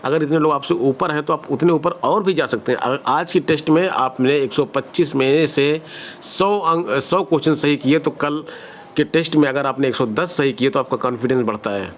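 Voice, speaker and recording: A man's voice: on the high side, normal speed, slight background noise. A man with a Hindi accent giving exam-preparation advice to students in a direct, conversational teaching style with everyday examples. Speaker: online exam-prep teacher.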